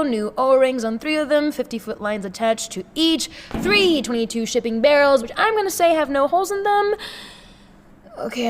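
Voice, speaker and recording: An actress playing a quirky, brisk rebel quartermaster in an audio drama, rambling through a checklist with breezy asides, with a long echo on the recording. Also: female voice, on the high side, close to an everyday voice.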